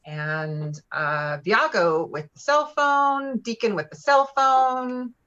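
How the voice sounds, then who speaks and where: A woman's voice: on the high side, slow pace, a bit bright. A woman reading screenplay stage directions in an online table read, over lo-fi call audio. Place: remote video-call reading. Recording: dull, lo-fi video-call audio.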